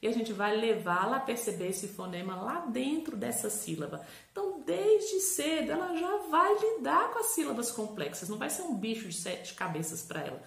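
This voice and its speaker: A woman psychopedagogue gives a lesson in an animated, higher-pitched voice, stretching out syllables and spelling words letter by letter. Her voice bounces off a roomy space around her. She talks like a patient teacher explaining a subject. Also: moderate pace, creaky. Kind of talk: educational explainer video. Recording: roomy echo.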